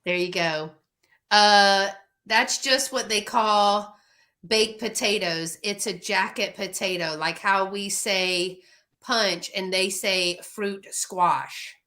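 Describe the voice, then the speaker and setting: A woman with a Texas drawl hosts a relaxed live chat and reads viewers' comments aloud. Her voice is bright and forward at an ordinary middle pitch, and she lists things off in a chatty, easygoing way over a computer mic. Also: slow.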